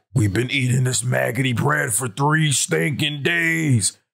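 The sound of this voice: A man's put-on character voice at medium pitch, fairly slow in pace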